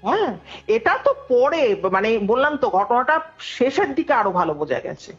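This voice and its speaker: Her voice is husky and a little high, moving at normal speed, as she recounts a ghost story as a guest. She chats her way through it animatedly, performing the quoted dialogue, over a dull, low-fi call with background music.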